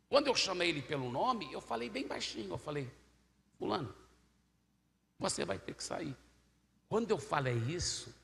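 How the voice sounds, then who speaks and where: A male pastor preaches in a bright, lively voice with a gravelly edge, acting out each voice in his story. He swings from loud to hushed. The sound rings through a large church hall over faint noise. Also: high voice. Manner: animated, acts out every voice, swings from loud to hushed. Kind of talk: preaching a sermon, telling a story.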